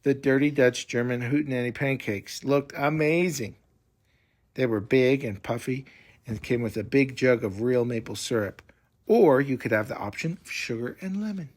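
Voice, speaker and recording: A man's voice: medium pitch, moderate pace. A man reading a children's story aloud as storyteller, expressively, with explanatory asides to a young listener.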